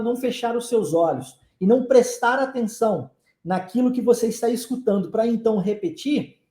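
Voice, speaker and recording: A man's voice: extremely high pitch, dark tone, reverberant. A Brazilian man teaching English in an online lesson, speaking emphatically, repeating key phrases and checking in with his listeners. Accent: Brazilian Portuguese.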